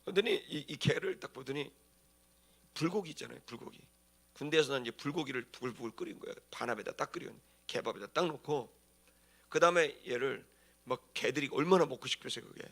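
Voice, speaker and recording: A man's voice: medium pitch, lively intonation, fast talker, creaky, a bit bright. A man preaching as a pastor, telling stories in a colloquial, dramatic way with acted-out emphasis. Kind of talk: animated sermon with storytelling.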